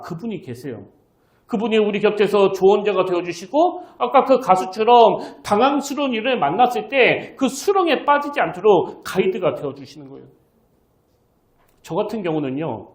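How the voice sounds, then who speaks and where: High, animated Korean pastor preaching. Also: male voice. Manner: earnest, animated preaching with rhetorical questions. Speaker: senior pastor. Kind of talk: sermon. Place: church sanctuary. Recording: echoey church sanctuary.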